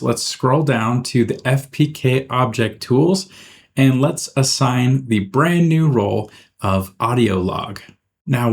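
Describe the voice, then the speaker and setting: A man narrating a software tutorial in an informal, step-by-step way, as the host. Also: mid-range voice, creaky. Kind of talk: casual screen-recorded software tutorial narration.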